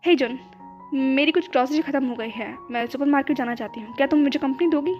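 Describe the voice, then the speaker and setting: A woman voicing a gentle, practical young woman who protests earnestly, in a storybook reading. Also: high-pitched, fast talker, natural voice. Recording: dull lo-fi with background music.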